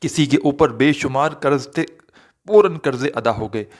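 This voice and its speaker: A man's voice: mid-range voice, normal speed. A man giving a devotional talk with prayers. He speaks earnestly and pleadingly, and keeps addressing his listeners directly. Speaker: religious online preacher.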